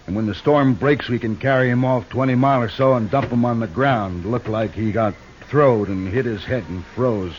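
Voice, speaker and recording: An actor playing a ruthless, bossy outlaw, heard on an old 1950s radio broadcast recording. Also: male voice, mid-range voice, normal speed, few pauses. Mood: scheming. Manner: gruff, scheming, commanding. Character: ruthless brutish outlaw man, cold and bossy. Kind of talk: 1950s radio drama acting. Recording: muffled old radio recording with faint hiss.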